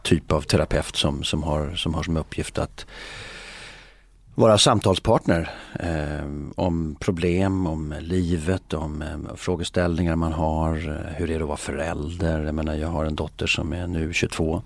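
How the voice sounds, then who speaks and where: Middle-aged man, very low voice, husky, hesitant, philosophical, dry sound. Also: fairly even intonation, no room sound. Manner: hesitant, many filler sounds; musing, philosophical. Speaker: interview guest. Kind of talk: reflective conversation.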